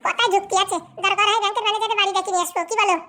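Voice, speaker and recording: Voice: very high-pitched, fairly even intonation, rapid-fire, sharp tone. A performer voicing a scheming, bossy cartoon mother who scolds and argues. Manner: scolding, argumentative. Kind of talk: comedy cartoon dialogue.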